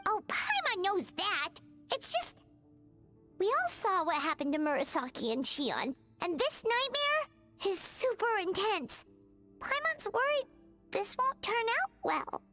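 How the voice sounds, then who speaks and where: A woman voicing a small, excitable, anxious childlike fairy companion in a video game. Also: very high voice, a little slow, exaggerated voice. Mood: worried. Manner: refers to self in third person, exclamatory. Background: game music.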